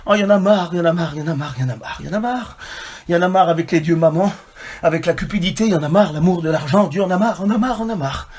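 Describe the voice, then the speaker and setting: Man, preacher, very high voice, fiery sermon, repetitive, murmurs then shouts. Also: very fast, slightly rough. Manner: repeats phrases, swings from low murmurs to shouting.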